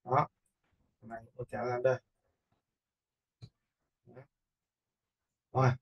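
Man, tutorial instructor, creaky husky voice, casual commentary, medium pitch. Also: monotone, takes it slowly, muffled recording. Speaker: video-editing instructor.

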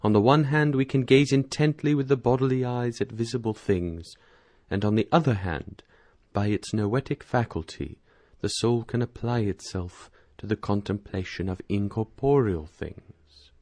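Male priest, sermon commentary, measured and earnest, mellow timbre, dry studio sound. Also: on the low side, no echo. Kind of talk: spoken homily commentary, reading patristic text.

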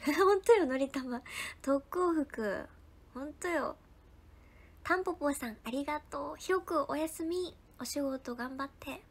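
A young woman with a bright, high voice chats casually with her livestream viewers. She thanks people one by one and keeps dropping into hushed, whispered asides. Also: normal speed. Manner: chatty, thanks viewers by name, drops into soft whispered asides. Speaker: idol livestreamer. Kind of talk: casual livestream chat reading viewer comments.

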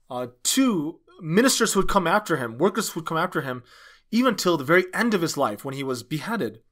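Male sermon interpreter, slightly high-pitched, halting phrase-by-phrase preaching delivery. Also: fairly bright tone. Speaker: interpreter dubbing a pastor's sermon.

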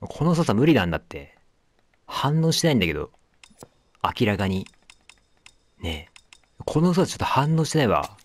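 A man's voice: medium pitch, big pitch swings, moderate pace, long pauses, no echo. Guy rambling thru a let's play, voice jumps up and down a lot, talks back at the game. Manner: chatty, talks back at the game, apologizes for noise. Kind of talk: casual game commentary.

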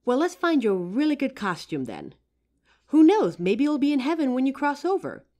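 In a roleplay audio drama, a voice actress with a high voice plays a friendly, curious psychic who helps out at a costume shop. She chats encouragingly and expressively to the listener, one side of the conversation, with pauses and soft laughs.

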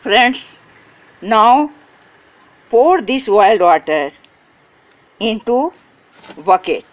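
A woman whose first language is Hindi, hosting a gardening channel and giving slow step-by-step instructions in short phrases. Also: fairly high pitch, sing-song. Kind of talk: step-by-step how-to narration.

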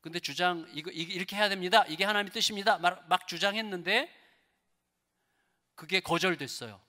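A middle-aged man preaching a sermon as a guest pastor, full of rhetorical questions to the congregation and swinging between soft and loud. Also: high-pitched, fairly quick. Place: church sanctuary. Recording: reverberant church hall.

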